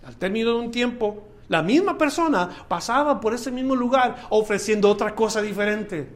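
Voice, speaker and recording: A male pastor preaching a sermon, swinging between emphatic rising bursts and quiet, low drops. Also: moderate pace.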